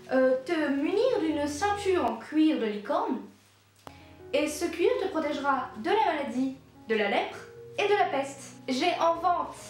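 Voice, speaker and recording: A woman voicing a medieval abbess who softly pitches unicorn remedies in a whispery, ASMR-like way, recorded in a very echoey room. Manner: soft ASMR-style sales pitch.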